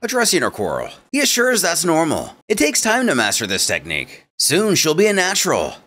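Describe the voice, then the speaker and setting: A man's voice: fairly high pitch, huge pitch swings, fairly quick, a bit bright, slight background noise. A man narrating a story retelling in a playful way with wry asides. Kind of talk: comic story recap narration. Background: faint background music.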